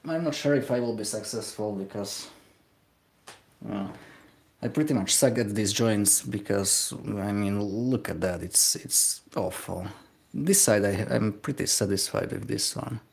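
Slow, low-voiced Slovak man. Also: creaky. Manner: hesitant, self-deprecating, halting. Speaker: livestreaming glassblower. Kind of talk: casual live-stream commentary. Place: home workshop, indoors.

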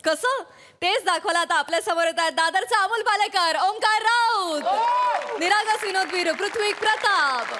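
A woman hosting a comedy show on stage, announcing the performers in a slow, dramatic way. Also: extremely high pitch, a loud crowd, very noisy. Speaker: show host. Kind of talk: stage anchoring.

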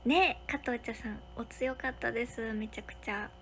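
A woman's voice: on the high side, moderate pace, slight background noise. Chatty young woman. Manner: chatty, thanks viewers one by one, drops into soft whispers. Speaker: livestream host. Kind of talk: casual livestream chat, reading viewer comments. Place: hotel room.

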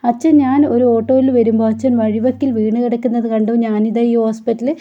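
A woman's voice: on the high side, level tone, fairly quick, narrow, tinny audio, lightly acted. A woman voicing a frightened, tearful young woman, urgent and pleading.

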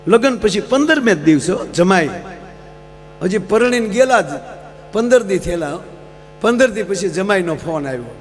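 A man's voice: sits high, expressive, normal speed. A man telling folksy humorous stories on a live stage, often addressing the audience as sir. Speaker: folk comedian. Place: large live stage program. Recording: reverberant live hall, faint mains hum.

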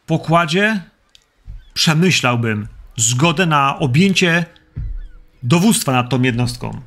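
A man's voice: a little high, fairly bright tone, full character voice. Man playing a stern ship captain. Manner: stern, commanding. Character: gruff stern male ship captain, commanding.

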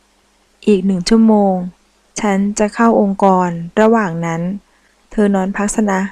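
A woman voicing a domineering young male mafia boss in an audiobook, speaking slowly and with command. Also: mid-range voice, fairly even intonation, dark tone, no echo, close to an everyday voice. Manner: slow, commanding and menacing.

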